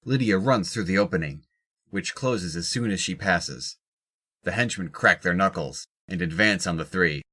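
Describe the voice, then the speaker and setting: A man's voice: deep voice, moderate pace, sharp tone. A man reading scripted narration for an audio drama as its narrator.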